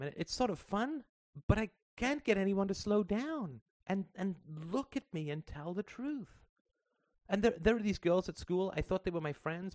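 A man's voice: high voice, dry recording, pitched above the performer's own voice. A man voicing a persistent, earnest young schoolgirl who halts and searches for words.

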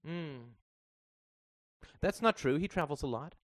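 A man's voice: a little high, lively intonation, unhurried, no room sound, clean studio sound, pitched above the performer's own voice. A man doing an evasive, strained mother. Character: evasive tight-lipped mother, forced brightness.

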